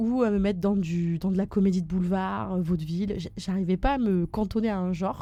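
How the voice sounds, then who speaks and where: Woman of medium pitch, dark and mellow in tone, at a moderate pace. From southern France. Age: 20s. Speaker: comedian. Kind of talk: interview. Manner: hesitant, many fillers.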